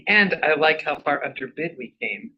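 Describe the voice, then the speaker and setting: A man's voice: a little high, animated, moderate pace, slightly rough. A chatty man chairing a council meeting in an informal, conversational way. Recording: dull, band-limited meeting audio.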